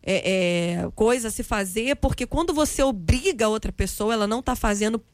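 Reflective woman, fairly high voice. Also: fairly quick, no echo. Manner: reflective, with frequent fillers. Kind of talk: conversational faith talk.

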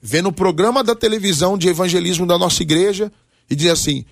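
A Brazilian pastor in his forties appears as a guest on a radio debate talk programme, offering personal testimony and exhortation in short, emphatic, preacherly bursts. He speaks fast in a high, gravelly voice. The sound is studio quality with no echo.

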